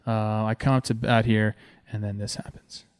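Excited former ballplayer telling stories. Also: male voice, normal speed, smooth, no echo, studio quality. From Southern California. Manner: excited, animated, talks with fillers like "man" and "boom". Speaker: former ballplayer hosting a show. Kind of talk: casual storytelling.

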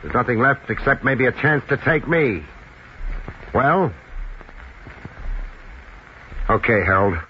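Male actor as hardboiled American detective, unflappable, wry and clipped, medium pitch, vintage radio drama with muffled, faintly noisy sound. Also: moderate pace, close to an everyday voice. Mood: hard, controlled. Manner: laconic, deadpan, dry sarcasm. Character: tough, unflappable male private investigator, wry and relentless. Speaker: lead actor and first-person narrator. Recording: muffled, noisy old 1950s radio recording.

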